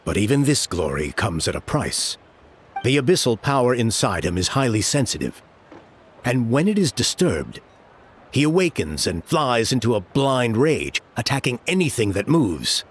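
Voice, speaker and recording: An actor playing a stern, protective middle-aged tribal elder and father in a game, with a measured, formal way of speaking. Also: medium pitch, slight background noise, close to an everyday voice.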